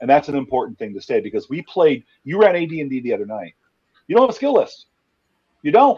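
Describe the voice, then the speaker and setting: Speaking very fast, a man with a fairly high pitch, very wide pitch swings, vocal fry and a dark, mellow tone. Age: 50s. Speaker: game designer and author. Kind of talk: interview. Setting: studio. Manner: halting.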